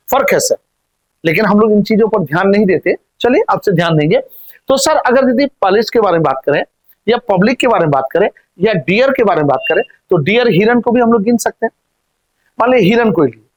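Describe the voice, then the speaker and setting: A male grammar teacher explains, constantly asking questions and answering them himself. He repeats words for emphasis and keeps addressing the class as "sir". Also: high voice. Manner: calls listeners "sir" often. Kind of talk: classroom-style grammar lesson in Hindi.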